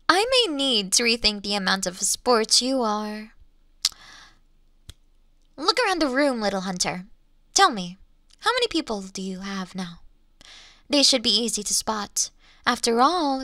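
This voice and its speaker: A woman's voice: fairly high pitch, animated, unhurried, pauses often, sharp tone, dry recording, clean studio sound. A woman playing a refined female monster who toys with a hunter in a Victorian fantasy audio roleplay, speaking in mocking, formal, old-fashioned phrases and often slipping toward a whisper. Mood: amused, taunting.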